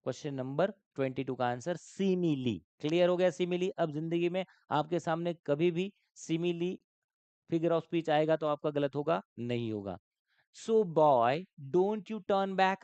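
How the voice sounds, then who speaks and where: A man's voice: on the high side, moderate pace, darkish tone, clean tone, no room sound. Man, online exam-prep teacher, quizzing and repeating, dry, dull recording. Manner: questioning, repeats terms, mixes English terms into Hindi. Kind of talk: live online class.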